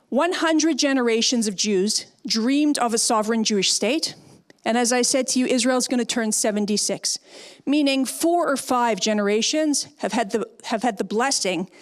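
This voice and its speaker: A middle-aged woman from Canada, a former speechwriter, giving an emphatic, persuasive talk and answering audience questions. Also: on the high side. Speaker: guest speaker, former speechwriter.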